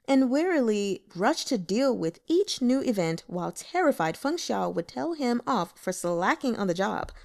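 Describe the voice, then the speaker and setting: A woman narrates a novel as an audiobook. Her pitch sits mid-range but moves in lively sweeps. She tells the story with expressive, deliberate storytelling. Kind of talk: scripted narration.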